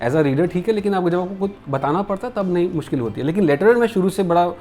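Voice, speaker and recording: A man's voice: high-pitched, lively intonation, fast, warm tone, soft background music. A man being interviewed as a comics publisher and letterer, speaking candidly and reflectively and mixing English phrases into his speech. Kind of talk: casual interview conversation.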